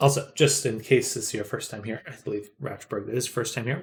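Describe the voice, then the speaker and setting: The speaker has an American accent. The voice is somewhat breathy. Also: man. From California, US. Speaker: 3D artist streamer. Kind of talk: live stream tutorial. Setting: live stream. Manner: muttering.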